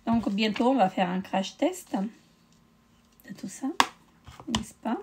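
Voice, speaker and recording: A tired middle-aged beauty vlogger chats casually in a haul video, hesitating a lot with many "euh" fillers. Her voice is fairly high and slow, and there's heavy background noise.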